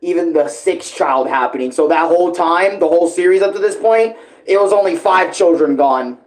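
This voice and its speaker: Profane, animated man reacting live. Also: on the high side, normal speed, poor audio. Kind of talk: live reaction commentary, casual chat.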